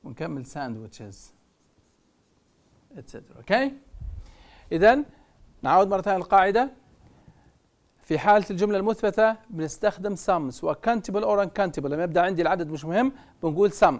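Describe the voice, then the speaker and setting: A woman with a Libyan Arabic accent teaching an English grammar lesson on television. She says the English examples slowly and deliberately, then explains them quickly. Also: medium pitch, darkish tone.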